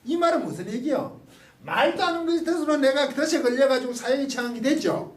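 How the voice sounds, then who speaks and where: A man giving a lively Bible study lecture, asking the class questions and acting out quotes. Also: extremely high pitch, quick pace. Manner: animated, asks the class questions, acts out quotes. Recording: roomy, mic at a distance.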